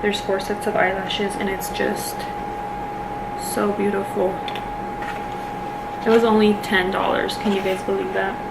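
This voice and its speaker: A woman with a Spanish accent talks through her makeup in a loose, chatty way, leaning on "like" and "you know". She sits away from the camera mic, so her voice sounds distant in the room. A clear air-conditioning hum runs under her the whole time. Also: mid-range voice, little pitch movement, a little slow, long pauses. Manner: chatty, filler-heavy, many "like"s and "you know"s. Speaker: beauty vlogger. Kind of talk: casual get-ready-with-me chat.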